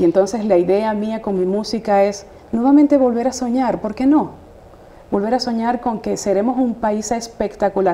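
Fairly high in pitch, a woman with a Venezuelan accent speaks with fairly even intonation. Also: moderate pace. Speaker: guest. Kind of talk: casual talk. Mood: earnest, emotional. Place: studio. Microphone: lapel.

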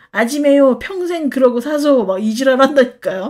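Against a quiet background, the voice moves at a moderate pace in an animated tone. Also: woman. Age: 40s. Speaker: YouTuber. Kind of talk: live stream chat. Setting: live stream from home. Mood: joking, animated. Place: home room. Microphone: lapel.

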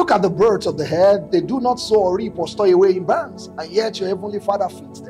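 Clear background music behind a man at a moderate pace. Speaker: pastor preaching. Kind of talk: sermon. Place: church.

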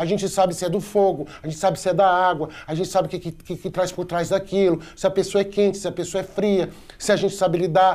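Over a quiet background, a man talks with a high pitch. His tone is dark and mellow, and his intonation fairly even. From Brazil. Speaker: Afro-Brazilian religious leader and TV host; TV host. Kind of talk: spiritual advice TV program; religious teaching talk to camera. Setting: studio. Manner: halting. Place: home room.

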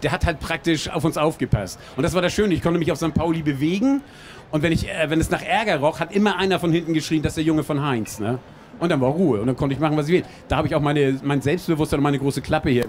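Very fast delivery with ordinary pitch variation, very even loudness and light background noise. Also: man, fairly high pitch for a man. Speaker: talk show guest, local restaurateur. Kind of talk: casual storytelling interview. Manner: chatty, casual. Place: street. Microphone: handheld.

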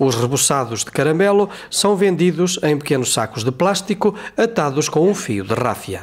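With very wide pitch swings, a man with a fairly high pitch talks at a moderate pace. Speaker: news reporter. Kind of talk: news narration.

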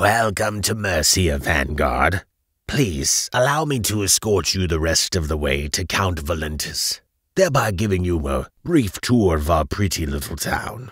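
A man puts on a croaky character voice with a very deep, low pitch. He keeps a moderate pace. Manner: courteous.

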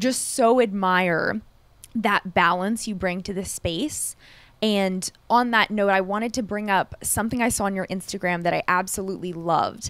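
A woman's medium-pitched voice at a moderate pace, dry with no echo. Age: 20s. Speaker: podcast host, yoga teacher. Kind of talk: casual interview chat. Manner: warm, upbeat, enthusiastic. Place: home room. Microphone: handheld.

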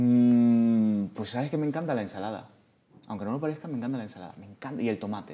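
Very fast, a man talks with ordinary pitch variation at a medium pitch. His tone is dark and mellow. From Venezuela. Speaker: theatre director and actor; actor. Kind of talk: interview. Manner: halting. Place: studio. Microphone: lapel.

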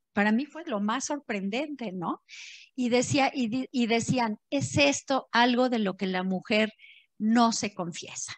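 Against a quiet background, a speaker with a Mexican accent is heard in a dry sound with no echo. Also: woman. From Mexico. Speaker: academic researcher on women in the Church. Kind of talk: conference talk. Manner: conversational, informal despite academic topic. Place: hall. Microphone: handheld.

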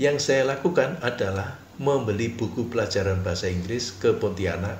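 Amid audible room echo, a man talks at a fairly slow pace with ordinary pitch variation. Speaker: motivational educator. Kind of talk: scripted narration.

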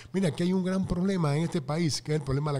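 A man's dark, mellow, somewhat breathy voice with ordinary pitch variation. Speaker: politician guest. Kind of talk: interview answer. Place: studio. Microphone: studio mic.

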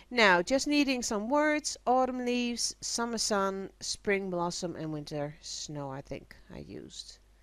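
A woman with a Dutch accent, fairly high in pitch, at a fairly slow pace with hardly any pauses, her pitch swinging very widely and her loudness shifting a lot. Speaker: crafting video maker. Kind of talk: tutorial. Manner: halting, many fillers.

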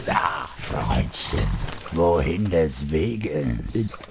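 A put-on character voice at a very slow pace, over clear background noise. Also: man, very deep, low pitch for a man. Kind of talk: radio drama. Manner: gruff, bossy.

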